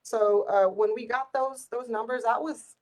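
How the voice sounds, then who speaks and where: A woman's voice: on the high side, a little slow. Middle-aged woman telling stories casually. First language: Spanish. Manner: animated retelling with quoted dialogue. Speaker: community volunteer sharing life stories. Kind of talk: casual conversational storytelling.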